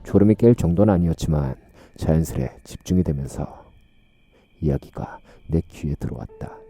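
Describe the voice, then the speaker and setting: A man narrating a horror radio story in a slow, musing, hushed way. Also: a bass voice, expressive.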